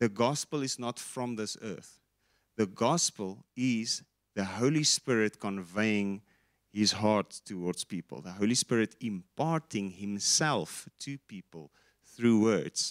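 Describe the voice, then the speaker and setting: Speaking very slowly with big swings in loudness, a man with a fairly low voice and ordinary pitch variation is heard in a dry, close sound with no echo on a very clean recording with a silent background. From South Africa. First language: Afrikaans. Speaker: pastor leading morning devotion. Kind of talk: sermon, devotional teaching. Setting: garage, small informal gathering. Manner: informal, halting, conversational.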